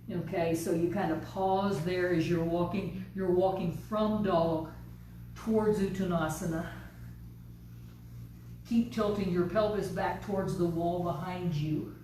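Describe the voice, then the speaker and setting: Calm yoga teacher in echoey studio. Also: female voice, fairly low pitch, slight background noise. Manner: calm, unhurried step-by-step cueing. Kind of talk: guided yoga class instruction. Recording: distant, very echoey studio room.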